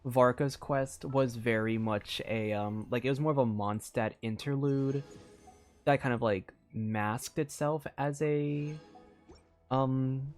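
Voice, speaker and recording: A man's voice: mid-range voice, steady tone, slow pace. Male streamer, mid-range voice, casual, rambling, distracted, thinking aloud, faint game music. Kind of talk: casual live stream chat while gaming. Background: video game music.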